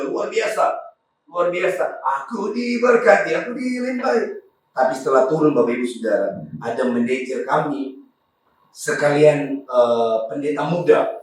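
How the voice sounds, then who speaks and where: A raspy-voiced male pastor, preaching fervently to a congregation. His voice sits slightly high. The sound is very echoey, picked up from across a church hall. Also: recorded from a distance, slight background noise. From Maluku. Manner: fervent preaching with frequent congregation address and hallelujahs. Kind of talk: sermon.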